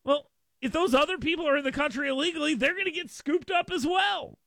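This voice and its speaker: A man's voice: very high voice, fairly quick, vocal fry, fairly bright tone, dry recording, studio quality. A man hosting a talk radio show with a brash, sarcastic, riffing manner. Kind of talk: talk radio monologue with live read ad.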